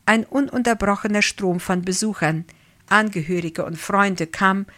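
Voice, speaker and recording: A woman narrating a first-person memoir in a measured, earnest reading. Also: mid-range voice, fairly bright tone. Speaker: audiobook narrator.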